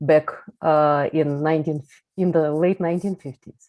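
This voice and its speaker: A woman with a Russian accent speaks at a moderate pace in a fairly low voice, recorded dry and close with no echo against a quiet background. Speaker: computer science professor. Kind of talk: panel discussion. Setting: video call.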